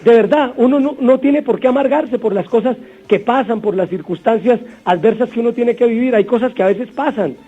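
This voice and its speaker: A man's voice: extremely high pitch, fairly quick, hardly any pauses, breathy edge. A man with a Colombian accent hosting a motivational radio sermon, repeating points and telling stories; his voice sounds strained. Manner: warm storytelling, repetitive exhortation. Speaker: radio host. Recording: dull radio broadcast, faint music.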